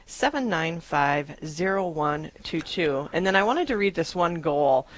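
A woman's voice: sits low, expressive, a little slow, dry recording. A woman hosting a live radio fundraiser, upbeat and chatty, thanking donors and repeating the phone number.

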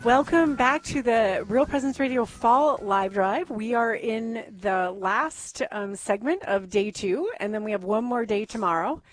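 A woman co-hosting a live radio fundraiser, chatty and quick to affirm, reading out donors and thanking them with feeling. Her voice sits a little high and is heard close and dry. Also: dry recording, soft background music. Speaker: radio co-host. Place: church, live broadcast.

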